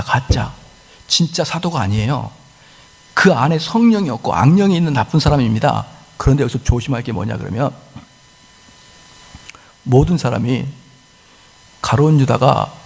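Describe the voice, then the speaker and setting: Korean-style pastor guy preaching, gravelly husky voice swinging up and down a lot, big church echo. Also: medium pitch. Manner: dramatic preaching with rhetorical questions and acted-out quotes. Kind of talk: sermon. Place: church sanctuary. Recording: church hall reverb.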